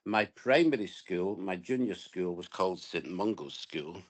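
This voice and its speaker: A man's voice: sits low, expressive, a little slow. A middle-aged Scottish man, a guest in an interview, speaking reflectively and chuckling now and then. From Scotland. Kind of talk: relaxed interview conversation.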